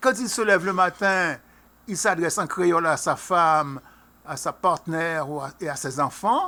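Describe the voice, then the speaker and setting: Speaking with a Haitian accent, a man projects a raised voice at a high pitch, his bright, sharp tone moving at a fairly slow pace. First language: Haitian Creole (speaking French). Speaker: video commentator. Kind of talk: personal monologue. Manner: halting, repeats words.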